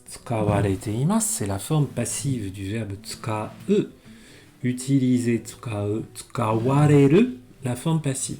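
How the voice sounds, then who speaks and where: Calm low-voiced teacher. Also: male voice. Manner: reads Japanese slowly, then explains in French. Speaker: Japanese teacher. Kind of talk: language lesson reading a text aloud.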